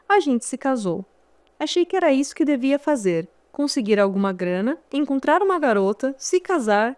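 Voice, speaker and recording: A woman's voice: fairly high pitch, a little mellow, no room sound. A woman with a Brazilian Portuguese accent reading a first-person memoir audiobook in a conversational storytelling manner, with wry asides to the listener. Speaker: audiobook narrator.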